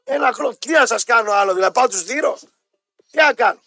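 A man from Greece co-hosts a casual talk show, with blunt, sarcastic remarks and frequent interruptions. His voice sits high. The sound is dry and close to the mic. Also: expressive, pushed and bright, no echo. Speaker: co-host. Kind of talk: casual radio-style chat.

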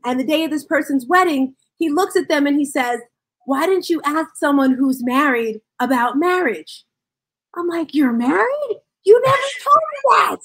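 A woman hosting a casual video call chat, lively and teasing. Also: high-pitched. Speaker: host and life coach. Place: living room at home. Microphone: video call webcam.

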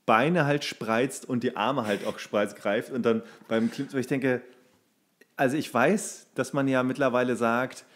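A male podcast co-host speaks in a mid-range pitch. He keeps things casual and colloquial, with a dry way of chipping in. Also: steady tone, a little slow. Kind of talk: casual chat.

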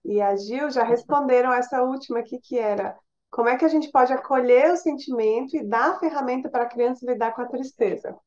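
A woman with a fairly high voice and a Brazilian Portuguese accent moderates a discussion circle, summing up points conversationally. Her audio sounds dull and lo-fi. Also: a little fast, a little mellow. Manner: summarizing, conversational.

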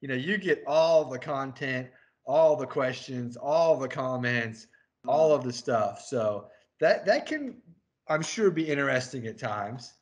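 A man in a relaxed interview chat, working as a crew chief and sitting down with his race engineer. He spins a rambling story at a mid-range pitch and breaks into laughter often. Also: a little slow, muffled recording.

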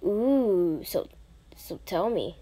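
A woman's voice: medium pitch, expressive, extremely slow, warm tone, voice pushed down, rough recording. A woman playing a teasing, reassuring young female friend in a playful audition reading.

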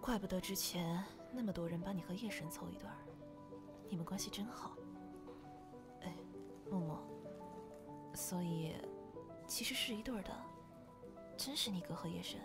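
A woman's voice: fairly low pitch, normal speed, long pauses, music in the background, natural voice. A woman acting an easygoing, curious female friend in an audio drama. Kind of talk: fan audio drama dialogue.

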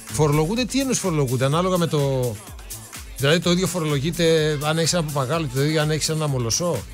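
A man's voice: on the high side, soft background music. A man co-hosting a radio sports show, reading listener messages and asking puzzled questions. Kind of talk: casual radio banter. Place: radio studio.

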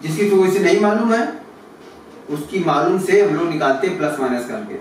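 A man's voice: a little high, lively intonation, fairly quick. A man teaching physics, working through exam questions and asking and answering his own questions. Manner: addresses students as kids, asks and answers his own questions. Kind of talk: explaining exam solutions. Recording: echoey room, mic far off, noisy.

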